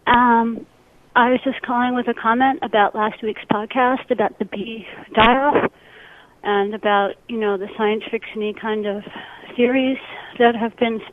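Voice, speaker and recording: A woman caller leaving a casual, somewhat halting voicemail message over a tinny phone line. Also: fairly high pitch, steady tone. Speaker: listener calling in. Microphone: telephone.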